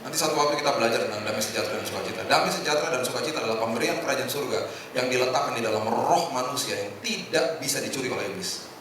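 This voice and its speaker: A middle-aged male pastor giving a lively, humorous sermon and acting out the lines he quotes. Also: mid-range voice, rapid-fire, noisy background. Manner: animated, humorous preaching with acted-out quotes. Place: hotel function hall. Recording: echoey hall from far off.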